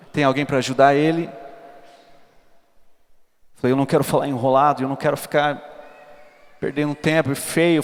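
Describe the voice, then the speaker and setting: A man preaching a personal testimony to a church congregation, speaking earnestly and with emphasis. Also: medium pitch. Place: large church hall. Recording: reverberant church hall.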